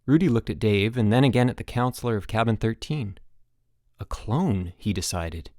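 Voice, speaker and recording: A man's voice: lowish voice, moderate pace, darkish tone, dry recording, clean studio sound. A man narrating fiction as a scripted audiobook reading.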